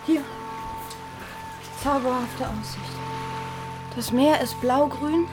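An actress playing a playful, teasing young bride in love in a radio play, with an expressive delivery. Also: female voice, sits high, takes it slowly. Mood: dreamy delight. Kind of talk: radio drama acting. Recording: studio radio play under loud music.

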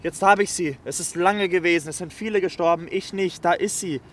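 An actor playing a weary, stubborn soldier home from war, bitter and at times fiercely defiant, in stage-style radio drama. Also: male voice, high-pitched, a little fast, fairly bright tone. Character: worn-out male war returnee, stubborn and bitter. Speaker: soldier come home, refusing to fight.

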